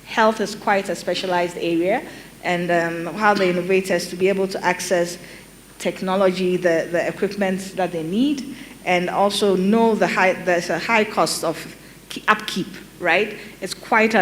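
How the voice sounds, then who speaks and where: A middle-aged woman from Ghana with a Ghanaian accent, explaining a program on a conference panel in a measured way, with many ums and restarts. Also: fairly low pitch, fairly even intonation, slight background noise. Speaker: panel speaker.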